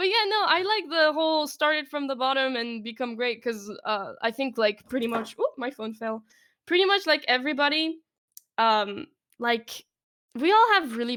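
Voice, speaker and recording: A woman speaks loudly at a high pitch, in a bright, sharp tone with lively intonation. Her pace is moderate, and the recording is very clean with a silent background. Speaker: VTuber streamer. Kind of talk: casual interview chat. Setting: live stream.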